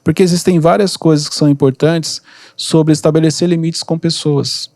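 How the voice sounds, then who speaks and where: A calm man hosting a podcast, giving relaxed advice with lots of everyday examples. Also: a little high, vocal fry, no echo, clean studio sound. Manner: calm, unhurried, gives examples. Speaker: podcast host and mentor. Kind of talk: casual advice talk.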